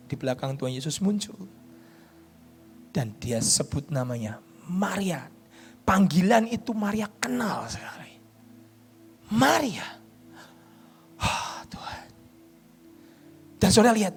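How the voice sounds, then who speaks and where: A male pastor preaching a sermon in a church, dropping to hushed whispers and rising to shouted peaks, acting out the voices of figures he quotes. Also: high-pitched, breathy edge. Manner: acts out quoted voices in dialogue. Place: church hall.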